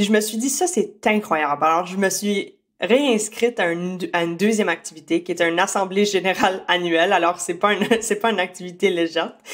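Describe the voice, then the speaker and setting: Her medium-pitched voice moving with ordinary pitch variation, a woman talks at a fairly quick pace. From New Brunswick, Canada. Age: 20s. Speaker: francophone youth activist. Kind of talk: interview answer.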